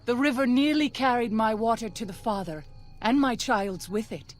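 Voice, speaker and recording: A woman's voice: fairly high pitch, moderate pace, faint music behind, lightly acted. An actress playing a devout, formal-spoken tribal woman and mother in a video game. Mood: reverent. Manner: formal, reverent. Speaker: game character.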